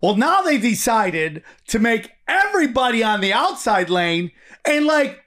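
Teasing man with a lively, high voice. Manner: teasing, ranting, quick to mock. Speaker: podcast co-host. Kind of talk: casual chat.

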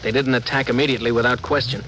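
A man's voice: medium pitch, fairly even intonation, rapid-fire, fairly bright tone, slight background noise, natural voice, rough recording. An actor playing an eager, earnest young male crewman in a 1950s radio drama, respectful toward his captain. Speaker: ship's officer.

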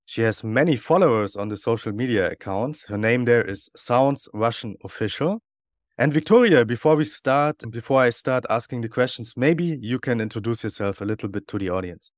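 A man hosting a podcast, asking a guest curious, slightly halting questions. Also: medium pitch, expressive, no echo, studio quality. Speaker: podcast host. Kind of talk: interview questions.

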